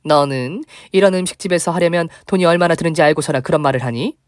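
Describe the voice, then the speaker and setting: Storybook role: a performer as a vain, penny-pinching woman near fifty, shrill when caught, dry recording. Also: quick pace, no echo, lightly acted. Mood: scheming. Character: vain, stingy, shameless woman in her late forties.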